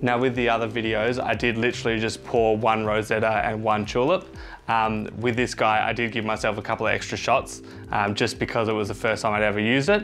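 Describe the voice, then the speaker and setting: A man talks at a fairly quick pace, his loudness very even. Faint music plays behind him. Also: ordinary pitch variation. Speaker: coffee channel host. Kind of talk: casual vlog chat. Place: home room. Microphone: lapel.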